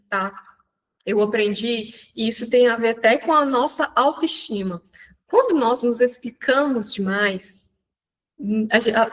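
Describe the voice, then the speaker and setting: Chatty and animated, a woman mentors her online audience live in Brazilian Portuguese, regularly restarting sentences in a voice on the high side. The recording is low quality.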